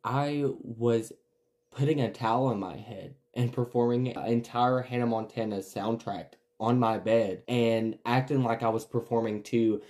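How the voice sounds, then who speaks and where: A man's voice: medium pitch, steady tone, measured pace, darkish tone. Candid young man telling stories. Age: 20s. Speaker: podcast host. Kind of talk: casual personal chat.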